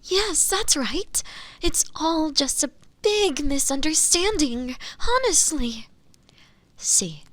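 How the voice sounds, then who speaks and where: With earnest protest, a woman playing a meek captive witch in a fantasy audio drama pleads to the listener, feigning fragile innocence. Her fairly high, slightly bright voice is captured in a dry recording, and her deferential, archaic formal speech halts and often turns breathy, nearly a whisper.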